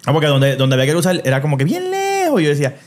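A Puerto Rican man hosting a casual podcast, his voice sitting a little higher than most men's. He tells stories in an animated way, full of restarts, with English words mixed in. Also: racing. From Puerto Rico. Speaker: podcast host. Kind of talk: casual chat.

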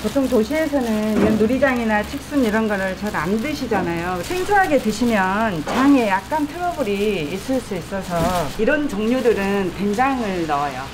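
A woman's voice: medium pitch, animated, normal speed, hardly any pauses. A middle-aged woman cook explaining her dishes in a casual, friendly way while she works with her hands in a restaurant kitchen. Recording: noisy kitchen recording.

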